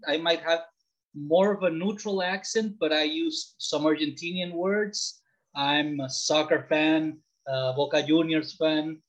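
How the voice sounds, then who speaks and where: A man's voice: on the high side, a bit bright. A man from the Dominican Republic, around forty, talking about himself casually as an interview guest. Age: late 30s or older. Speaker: podcast guest. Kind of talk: casual interview, personal storytelling. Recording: slightly dull, lo-fi audio.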